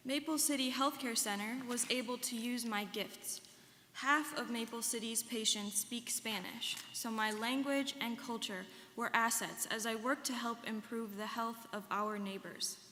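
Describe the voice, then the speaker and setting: A young woman performing a scripted first-person reading as a sincere alumna remembering hardship, with deliberate, projected delivery. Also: a little high, steady tone, sharp tone, a little hiss or hum. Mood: heartfelt. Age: young adult. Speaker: student performer in a dramatic reading. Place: large hall. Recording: reverberant hall.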